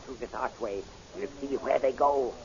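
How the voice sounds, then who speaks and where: A man's voice: medium pitch, normal speed, close to an everyday voice. Villainous army general male actor, imperious and impatient, 1930s radio melodrama, dull hissy transfer. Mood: urgent, commanding. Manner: commanding, theatrical. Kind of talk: 1930s radio serial acting.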